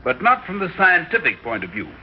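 An assured professor, played by a man, lays out his findings in a slightly high voice. He sounds sure of himself as he explains. The old radio-play recording is dull, with a faint hiss behind it. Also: wildly swooping pitch, fairly quick. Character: confident male professor explaining a discovery. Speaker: scientist. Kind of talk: vintage radio drama.

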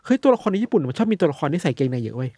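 A man's voice: high voice, very fast, slightly rough, no room sound, studio quality. A young man co-hosting a casual podcast, telling odd news stories and acting out the people he quotes. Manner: animated storyteller acting out quotes. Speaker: podcast co-host.

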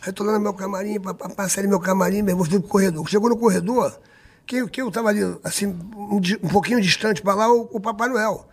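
A man with a Carioca accent telling a comic story on a podcast, boisterous and slangy, acting out quoted people in high voices. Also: fairly even intonation, quick pace, husky.

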